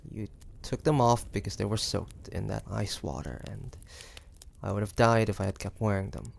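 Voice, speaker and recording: A man playing a proud, wary, sardonic hunter from the 1850s in an intimate audio drama, halting and full of breathy sighs. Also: fairly low pitch, a little hiss or hum. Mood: grudging, puzzled. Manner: halting, breathy sighs, indignant then grudging.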